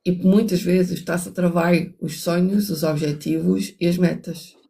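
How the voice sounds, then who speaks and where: A woman's voice: on the low side, steady tone, measured pace, gravelly, dark tone. An older woman, hosting a reflective book discussion, musing and moralizing as she goes. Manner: musing, restarts often, moralizing asides. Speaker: host reading and analyzing a book.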